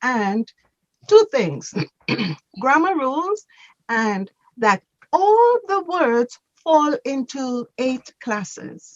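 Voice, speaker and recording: In a Trinidadian accent, a woman speaks very slowly and sing-song at a high pitch, with very wide pitch swings and long, frequent pauses. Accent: Trinidadian accent, noticeable. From Trinidad and Tobago. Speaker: ESL teacher. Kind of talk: online class lesson. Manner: sing-song intonation; slow, careful spelling.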